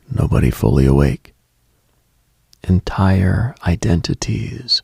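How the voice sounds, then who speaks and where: Very deep, breathy, slow man. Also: no echo, clean studio sound. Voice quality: husky, breathy, gravelly low voice. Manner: hushed, deliberate, brooding storyteller with pauses. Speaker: late-night radio host. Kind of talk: scripted late-night mystical monologue, ASMR-like.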